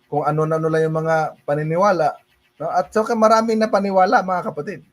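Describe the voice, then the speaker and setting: A high-pitched male preacher with a Filipino accent delivers a casual livestream sermon. He slides between Tagalog and English, laughing easily and warmly addressing his listeners as brothers and sisters. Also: fairly even intonation, a little fast. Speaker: pastor.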